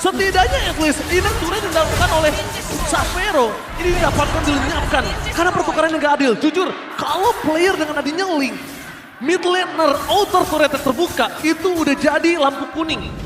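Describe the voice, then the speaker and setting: A man with an Indonesian accent calls a competitive game in an extremely high-pitched voice. His delivery is theatrical live commentary with drawn-out calls. The sound is roomy and echoing, with music underneath. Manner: theatrical, drawn-out shouted calls in big moments. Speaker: esports match commentator. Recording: echoey shoutcast mixed over loud music.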